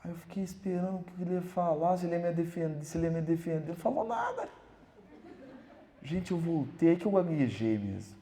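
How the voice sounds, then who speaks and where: A man's voice: on the high side, sing-song, brisk, creaky, dark tone, a little hiss or hum. A man from Brazil preaching an inspirational sermon, telling stories with dramatic repetition and acting out the people in them. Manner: dramatic storytelling, repeating phrases, voicing quoted people. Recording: echoey room.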